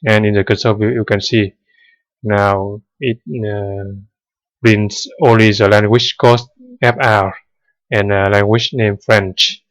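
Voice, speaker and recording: A man whose first language is Vietnamese walks through code in a tutorial, pausing often and filling gaps with hesitant sounds. His voice sits fairly low and he speaks slowly. The recording is dry and a bit dull. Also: level tone, dry recording. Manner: hesitant, many "uh" fillers, unhurried. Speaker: programming tutor. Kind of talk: screen-recorded coding tutorial.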